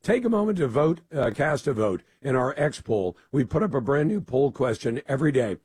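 Hoarse talk radio guy, husky gravel voice, blunt, argues with callers, dry studio sound. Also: mid-range voice, very animated, fairly quick, no room sound. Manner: forceful, blunt and argumentative. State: slightly hoarse. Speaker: radio talk show host. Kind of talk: talk radio hosting and call-in debate.

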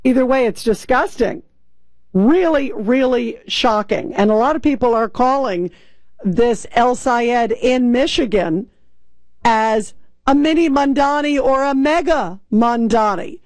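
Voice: medium pitch, a little slow, darkish tone, dry recording. A talk radio host commenting emphatically and sounding incredulous, taking calls.

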